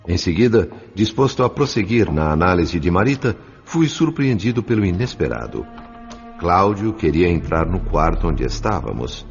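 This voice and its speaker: A man with a Brazilian accent giving a solemn, measured, scripted dramatic narration of an audio novel. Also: deep voice. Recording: muffled audio with music underneath.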